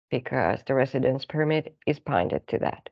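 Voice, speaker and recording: A woman with a Finnish accent speaks at a moderate pace, her very deep, low voice marked by vocal fry. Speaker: business advisor. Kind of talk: webinar presentation. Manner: halting.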